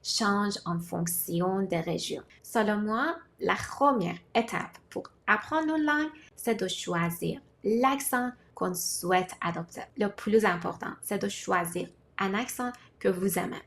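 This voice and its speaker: Woman calmly explaining language-learning tips. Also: mid-range voice. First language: not French. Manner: measured, deliberate delivery in short listed phrases. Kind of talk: scripted explanatory monologue.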